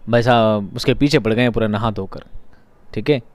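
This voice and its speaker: A male Urdu teacher explaining a short story in a lively, conversational way, acting out the characters' dialogue. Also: fairly low pitch, moderate pace, no room sound.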